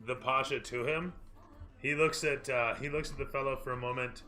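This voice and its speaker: Bright-voiced man running a tabletop game, roomy. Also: medium pitch, fairly even intonation, moderate pace. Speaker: game master. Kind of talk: casual tabletop game narration. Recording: roomy, music behind.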